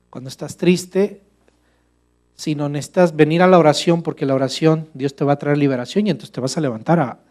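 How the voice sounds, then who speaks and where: A man preaching a sermon as pastor to his church, animated, asking rhetorical questions and addressing listeners as brother. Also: on the high side.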